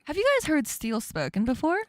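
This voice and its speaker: A woman's voice: high-pitched, quick pace, dry recording, clean studio sound. A woman with an Asian American accent, hosting a casual chat with guests and laughing often. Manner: giggly, laughs often, lively and playful. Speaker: streamer host.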